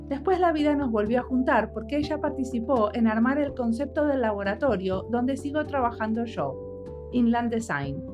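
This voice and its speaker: A woman hosting an interview, speaking in a friendly, conversational way. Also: a little high. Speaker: podcast host.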